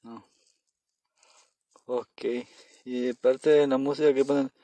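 A man's voice: medium pitch, little pitch movement, moderate pace, warm tone, no room sound. A man casually commenting as he plays a horror game on his phone, nervous, talking to himself and repeating phrases when scared. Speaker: gamer playing on a phone.

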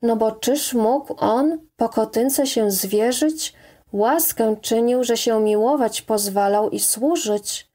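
Slow, measured woman narrator. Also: fairly high pitch, warm tone. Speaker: audiobook narrator. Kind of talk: scripted narration.

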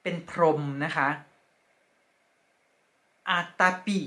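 A woman teaching French vocabulary in a slow, careful way, repeating each word twice and ending her phrases politely. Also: slight background noise. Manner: polite, ends phrases with soft particles. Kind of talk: vocabulary lesson.

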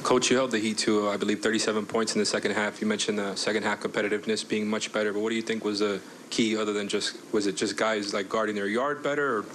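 Quick-talking guy reporter, kinda low, off mic across the room. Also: steady tone, a bit bright, a little hiss or hum, poor audio. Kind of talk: press conference question.

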